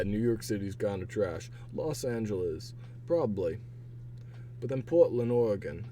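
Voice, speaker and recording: A young man streaming casual chat while he takes online quizzes. His voice is hoarse and raspy, and he rambles with a chatty manner. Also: sits low, mellow, slight background noise. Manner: chatty, rambling, laughs to himself. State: hoarse, voice partly gone.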